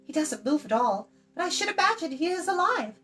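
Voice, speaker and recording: Woman voicing a high, light, chatty young girl. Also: sing-song, fairly quick, fairly bright tone, soft background music. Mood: breezy. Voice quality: light, musical. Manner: breezy, talkative, matter-of-fact. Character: chatty, blunt, haughty young girl in a dungeon. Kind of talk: children's fantasy storybook reading.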